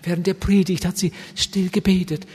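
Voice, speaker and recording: A man preaching a sermon and telling a story, swinging from loud, urgent appeals to hushed, almost whispered passages. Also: sits high, level tone, normal speed. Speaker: evangelist preacher. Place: large event hall. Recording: long hall reverb.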